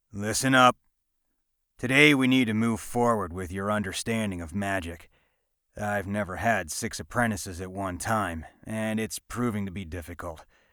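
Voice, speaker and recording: A man puts on a character voice, gravelly and fairly low in pitch. He speaks at a moderate pace. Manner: direct, impatient.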